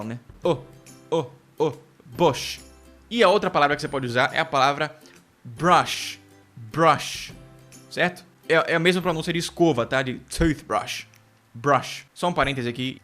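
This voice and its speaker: Bright-voiced man teaching pronunciation. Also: on the high side. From United Kingdom. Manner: explanatory, repeats words slowly to model pronunciation. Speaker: English teacher. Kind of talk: online English lesson.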